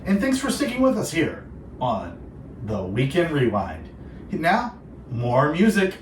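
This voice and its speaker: A man's voice: on the high side, wildly swooping pitch, unhurried. A man hosting a devotional Christian radio show, speaking in an earnest, reflective and polished way. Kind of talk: devotional radio talk with co-host. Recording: roomy echo, distant, clearly noisy.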